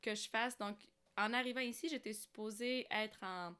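A woman's voice: on the high side, fairly even intonation, moderate pace, pushed and bright, smooth. A woman from Algeria chatting casually as a podcast guest, telling personal stories. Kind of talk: casual conversational storytelling.

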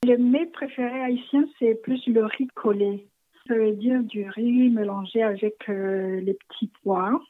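A woman in her fifties from Rwanda, answering interview questions softly and hesitantly, with many pauses. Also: on the high side, steady tone. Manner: soft-spoken, hesitant with frequent pauses. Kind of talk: personal interview. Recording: narrow phone-like audio.

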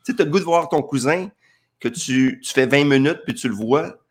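A man's voice: mid-range voice, moderate pace, breathy edge. A man with a Quebec French accent hosting a casual interview, easygoing and asking questions. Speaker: host.

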